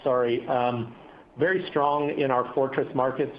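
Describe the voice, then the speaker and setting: A man speaking as a company executive, answering analysts on an earnings call in measured corporate phrasing with hesitant pauses. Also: medium pitch, steady tone. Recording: dull, noisy conference call audio.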